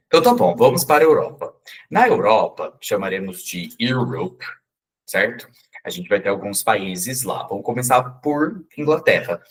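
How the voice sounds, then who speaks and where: A Brazilian man, an English teacher, talks through his lesson in a casual, chatty way, leaning on little check-ins with his listeners. His voice sits fairly low and has a husky edge. He slows down sharply whenever he sounds out a word in English. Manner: chatty, with frequent "tá?" and "né?" check-ins, slowly spelling out English words.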